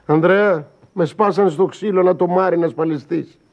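A man's voice: sits high, darkish tone. An actor playing a battered, whiny husband who sulks in pain and pleads with his wife, in a TV sitcom. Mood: pleading. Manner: plaintive and pleading, with sudden yelps of pain. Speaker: actor in a TV comedy series. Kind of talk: sitcom acting. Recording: dull broadcast audio with background noise.

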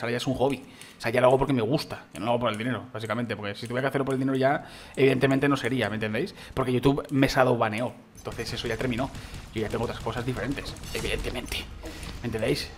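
Man, young adult, rapid casual gaming chatter, rambling, faint hiss behind. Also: medium pitch. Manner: rambling, repeats himself, addresses viewers as chicos. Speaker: gaming YouTuber. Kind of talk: casual gameplay commentary.

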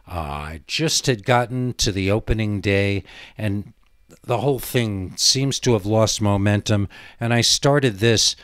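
Low-voiced man rambling on a podcast. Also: clear, resonant tone, dry recording, studio quality. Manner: digressive, hesitant. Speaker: podcast host. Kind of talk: rambling casual solo monologue.

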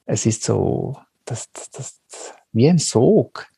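Male podcast host, dark mellow tone, dry room, reflective and searching delivery. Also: medium pitch, expressive, slow pace, vocal fry, breathy edge, no room sound. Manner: searching, repeats words while thinking. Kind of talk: reflective conversation.

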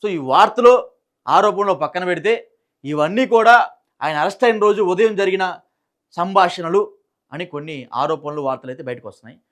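A man's voice: high voice, normal speed, long pauses, a bit bright. A man with a Telugu accent giving informal political news commentary, repeating phrases for emphasis and asking rhetorical questions.

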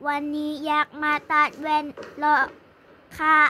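A young girl voicing a friendly female glasses-shop clerk who greets customers in a slow, sing-song way in a toy game role-play. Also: high-pitched, completely flat delivery, pushed and bright, slight background noise, pitched below the performer's own voice. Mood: welcoming.

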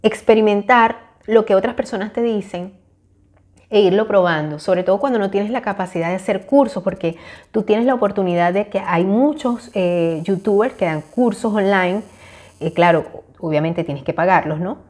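A woman's voice: mid-range voice, normal speed, a little mellow. A woman, talking to camera on a lapel mic in a small room, earnest and encouraging with frequent hesitations. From Venezuela. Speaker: YouTuber. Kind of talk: casual talk to camera.

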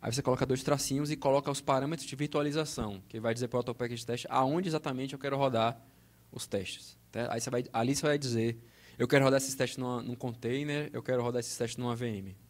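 A man's voice: medium pitch, steady tone, fast. A man with a Brazilian Portuguese accent giving a technical conference talk, explaining step by step with frequent check-ins on a hall microphone. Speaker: conference speaker. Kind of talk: technical talk with live demo. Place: conference auditorium stage. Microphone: handheld then podium microphone.

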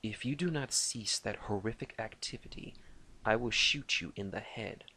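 A man's voice: lowish voice, moderate pace, creaky, a bit bright, poor audio. A man voicing a cool, professional female elf sniper who speaks in a cold, formal way.

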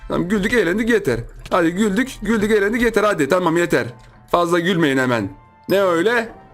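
A man hosting a gaming channel, giving lively gameplay commentary, repeating himself and yelping in surprise while chatting to his viewers. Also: high voice, quick pace, faint music behind. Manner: excitable, repeats phrases, shouts in surprise; chatty, addresses viewers as friends.

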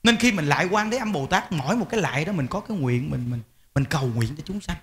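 A man's voice: a little high, expressive, quick pace, slight background noise. A man, a Buddhist monk, giving an informal, emphatic dharma talk to lay followers. He repeats words and often speaks to his listeners directly.

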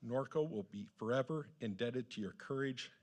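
Male public speaker, mid pitch, formal and declamatory, prepared tribute at a civic meeting. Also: normal speed, darkish tone. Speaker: public commenter. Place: city council meeting room, at public podium.

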